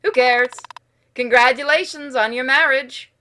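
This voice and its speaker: A woman reading game text aloud and reacting casually, with a playful, expressive manner. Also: high voice, unhurried, slight background noise. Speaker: game streamer.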